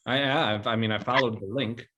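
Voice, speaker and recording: A man's voice: medium pitch, brisk, pushed and bright, slight background noise. Male, thirties, middle-range voice, informal chat, video call. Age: 30s. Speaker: participant in a virtual table read. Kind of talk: casual chat.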